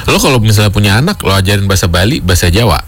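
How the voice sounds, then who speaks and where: A man's voice: lowish voice, big pitch swings, rapid-fire, a little hiss or hum. A man hosting a casual chat, asking questions in Indonesian slang and laughing often.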